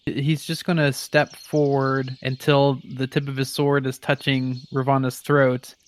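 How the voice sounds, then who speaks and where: A man's voice: medium pitch, little pitch movement, unhurried. Casual man telling a game story. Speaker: player in a tabletop roleplaying game.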